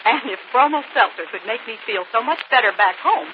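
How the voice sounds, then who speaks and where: A woman's voice: on the high side, lively intonation, brisk, lightly acted. A woman playing a chatty small-town tourist. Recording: hissy muffled vintage radio ad.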